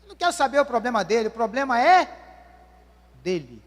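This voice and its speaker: A man's voice: very high voice, very animated, brisk. A man, preaching a sermon and questioning the congregation as "dear ones". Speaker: pastor. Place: church hall. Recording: long church hall reverb.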